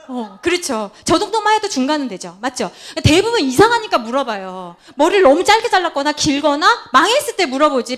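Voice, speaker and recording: A woman's voice: high-pitched, a bit bright. A middle-aged woman pastor giving a playful, interactive sermon in a church, laughing often and quizzing her congregation by name. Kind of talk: lively interactive sermon with role-play. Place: church sanctuary.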